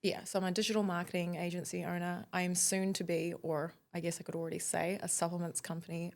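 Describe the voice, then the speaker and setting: A woman's voice: on the low side, little pitch movement, fast, gravelly. A woman, chatting as a podcast guest and laughing often. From New Zealand. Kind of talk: casual interview chat.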